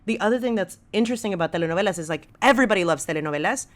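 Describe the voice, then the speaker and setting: A woman's voice: medium pitch, animated, racing, soft background music. A woman guest talking casually and emphatically on a podcast, stating her opinions firmly.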